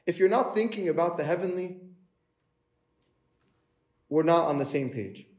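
A man's voice: on the high side, lively intonation, moderate pace, darkish tone. A man preaching a sermon in a conversational way, acting out the voices in the story he tells. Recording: echoey room.

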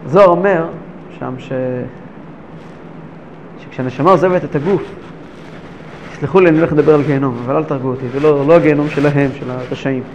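A man teaching a Hasidic text lesson, asking rhetorical questions and swinging between hushed and emphatic delivery. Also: fairly high pitch, fairly even intonation, pauses often, lo-fi sound, slight background noise. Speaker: Torah teacher.

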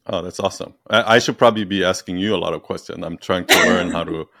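A man's voice: low voice, fast, creaky, bright, forceful tone, no echo, clean studio sound. A man hosting a podcast conversation, talking loosely with lots of "like" and restarts. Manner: loose and rambling, full of "like" and restarts. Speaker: podcast host.

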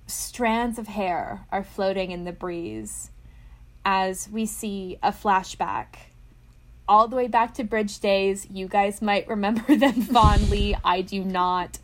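A woman co-hosting a casual podcast, recapping episodes with playful, laughing asides. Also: mid-range voice. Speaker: podcast co-host.

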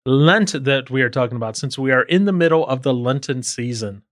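A man's voice: mid-range voice, animated, fairly quick, fairly bright tone. A man hosting a casual podcast, chatty and often laughing as he explains the game. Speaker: podcast host.

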